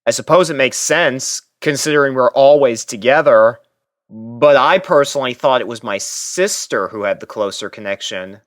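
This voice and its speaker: A man reading fan fiction as a first-person narrator, expressive and theatrical. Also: mid-range voice, normal speed, no echo, clean studio sound.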